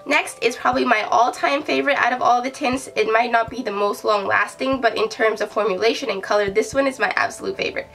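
A woman's voice: fairly high pitch, fast, gravelly, few pauses, fairly bright tone. A young woman with a nasal voice from a cold, chatting casually and enthusiastically as she reviews beauty products. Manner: chatty, enthusiastic, many fillers. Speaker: beauty vlogger. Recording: voice from a distance with faint music.

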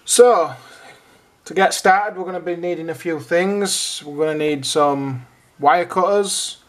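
Higher-pitched British man explaining step by step. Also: unhurried. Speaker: hobbyist video host. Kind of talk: informal how-to narration.

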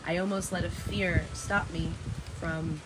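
Raspy woman in her 30s rambling on a livestream, lowish voice, bit of outdoor noise on the phone mic. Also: measured pace. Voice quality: raspy from heavy singing. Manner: animated, dramatic storytelling with emphatic repeats. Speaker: vlogger on a live stream. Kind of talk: casual rambling live chat to viewers. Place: open porch of a house and its garden, outdoors. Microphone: phone at arm's length. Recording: noisy outdoor phone recording.

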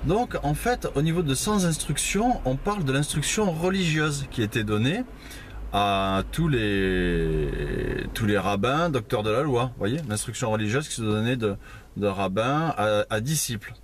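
A man's voice: mid-range voice, lively intonation, measured pace, slight background noise. A man giving an informal Bible teaching at a house church, conversational, with many fillers and asides. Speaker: preacher.

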